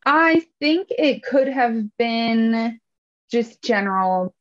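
A woman's voice: a little high, lively intonation, slow pace. Chatty Seattle-accented woman, lo-fi sound. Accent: Seattle-area American English. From Washington State, USA. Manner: chatty, laughs easily, many fillers. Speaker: guest, English teacher. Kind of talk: casual podcast interview.

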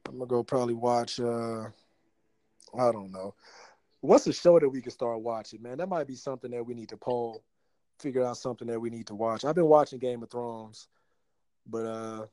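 A man in his thirties co-hosting a casual podcast, joking and bantering in relaxed slang. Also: mid-range voice, moderate pace, no echo. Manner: laid-back slangy banter with laughs. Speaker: podcast co-host. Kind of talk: casual chat.

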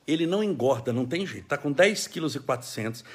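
A man with a Brazilian accent giving an emphatic, animated talk on a live stream from home, with laughing asides. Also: mid-range voice, fast talker, slightly rough. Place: home, caring for his child.

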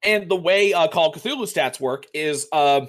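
A young man talks loosely about tabletop role-playing, sitting a little higher than most men in pitch. He wanders through a long anecdote, filling gaps with ums, likes and the occasional swear. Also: normal speed. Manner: rambling storytelling with many fillers and swearing. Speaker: podcast co-host, game master. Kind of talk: casual chat about tabletop games.

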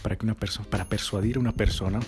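A man's voice: fairly low pitch, steady tone, rapid-fire. A man giving dating advice, coaching the viewer directly. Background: music.

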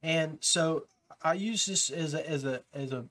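A man hosts a podcast in a slightly high voice, coaching beginners in a loose, rambling way. He backtracks and repeats himself as he explains. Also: a little slow, fairly bright tone, a little hiss or hum. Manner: rambling, with restarts and fillers; coaching tone, giving tips to beginners. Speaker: podcast host. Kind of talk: casual talk to viewers.

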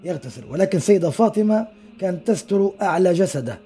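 Male sheikh, podcast sermon; quick delivery, slightly raised pitch, storytelling with asides. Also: lively intonation, warm tone, faint music behind. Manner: narrates hadith stories with explanatory asides, acts out quoted dialogue. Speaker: sheikh giving a religious lesson. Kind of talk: podcast religious lesson, storytelling.

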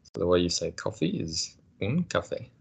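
A man teaching a casual language lesson, patient and encouraging, explaining things slowly. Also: low-pitched, very animated, vocal fry, slightly rough.

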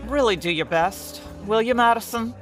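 An earnest male client from an old radio drama. The voice is high and bright, formal in its phrasing, with music underneath. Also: normal speed.

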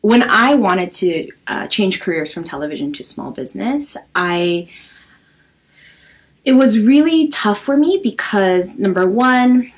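A woman in her early thirties from Los Angeles, a podcast guest speaking casually and hesitantly, with many pauses and ums. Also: medium pitch, expressive. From Los Angeles, USA. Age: early 30s. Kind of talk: casual interview talk.

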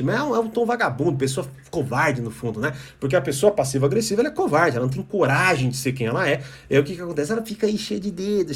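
A man's voice: a little high, husky. A man teaching an online course, talking in loose, restless bursts and often checking in with "né?" and "percebe?". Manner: acts out short sneering quotes of other people. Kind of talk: explanatory talk to camera.

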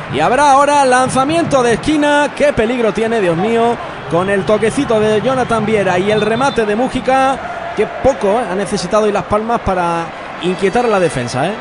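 A man with an accent from Spain doing passionate, excited live radio play-by-play of football, often shouting and stretching out words. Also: extremely high pitch, background noise. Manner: passionate, shouting, drawn-out exclamations.

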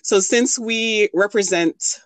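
Slow-talking chatty woman host. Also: medium pitch, no echo. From Jamaica. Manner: chatty, laughs often, runs the game. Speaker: podcast co-host. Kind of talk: casual chat.

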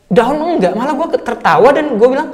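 A man telling stories as a guest in casual chat, animated and playful, often acting out what others said. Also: very high-pitched, brisk. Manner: animated, acts out quoted voices, laughs often. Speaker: podcast guest. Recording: long hall reverb.

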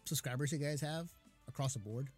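A man's voice: medium pitch, a little fast, over music. A man chatting casually and encouragingly on a voice call, with plenty of filler words. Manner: upbeat, encouraging, lots of "like". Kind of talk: casual chat.

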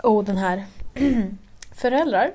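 A woman's voice: medium pitch, dark tone. A young woman from Sweden in casual chat, telling a story animatedly, swearing and acting out quoted lines. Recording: faint background noise.

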